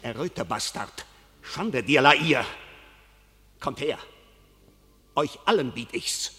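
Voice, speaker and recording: An actor playing a proud, hate-filled noble warrior duke in a classic radio drama, declaiming verse with haughty scorn. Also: male voice, medium pitch, expressive, slow pace, sharp tone. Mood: defiant, bitter. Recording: reverberant hall sound.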